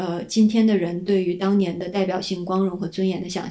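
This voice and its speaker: A woman talks at a fairly quick pace. Her intonation is flat and monotone. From Northeast China, Shenyang. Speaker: writer. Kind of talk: casual chat.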